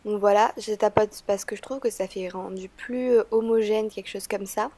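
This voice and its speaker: A beauty vlogger with a cold talks through a makeup tutorial, her nose stuffy. Her voice is mellow and medium-pitched, with fairly even intonation and a moderate pace. She's chatty but hesitant, dropping frequent "euh" fillers.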